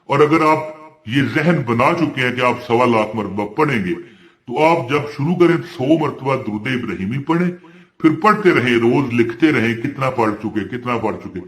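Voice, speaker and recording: A male Islamic preacher giving a devotional talk, chanting Quranic verses in a rising tone between plain explanations and answering his own questions. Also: medium pitch. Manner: asks questions and answers himself. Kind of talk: devotional talk on a prayer practice. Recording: roomy echo.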